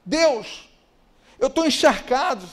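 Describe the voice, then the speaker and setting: A man voicing a drowned pastor who complains loudly to God, soaked and angry. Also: very high voice, animated, takes it slowly, exaggerated voice. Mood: indignant.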